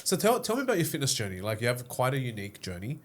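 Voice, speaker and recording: A man's voice: mid-range voice, wildly swooping pitch, racing. A young man hosting a podcast, chatty and friendly, with lots of fillers and repeated words. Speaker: podcast host. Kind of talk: casual interview chat.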